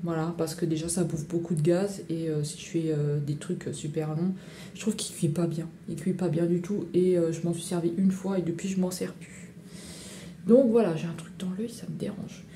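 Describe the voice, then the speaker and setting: A woman's voice: fairly low pitch, steady tone, normal speed, warm tone, a little hiss or hum. A woman in her thirties chatting casually in a home vlog from her kitchen, rambling with lots of fillers and slang. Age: 30s. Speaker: vlogger.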